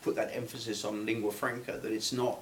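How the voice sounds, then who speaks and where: Chatty English trainer with a joking edge. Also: male voice, lowish voice, level tone, brisk, slight background noise. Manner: chatty, self-mocking, lots of repeated buts. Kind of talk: casual group discussion.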